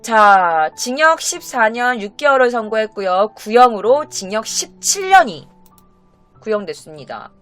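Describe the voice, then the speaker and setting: Brief: a woman storyteller, lively and bouncy, with a fairly high voice. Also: measured pace, soft background music. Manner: animated, acts out quotes, talks straight to viewers. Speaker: horror storyteller, streamer. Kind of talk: casual spoken storytelling.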